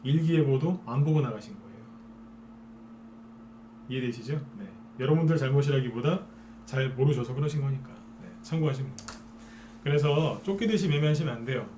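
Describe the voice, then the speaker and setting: A man's voice: medium pitch, brisk, long pauses, warm tone, a little hiss or hum. A man giving a live stock trading lecture as a broadcaster, persuading viewers and often asking them to agree.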